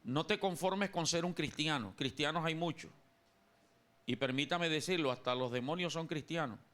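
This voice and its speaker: A man's voice: a little high, moderate pace, fairly bright tone. A man from Colombia preaching a sermon as pastor in a church, emphatic and calling on the congregation to repeat after him. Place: church sanctuary.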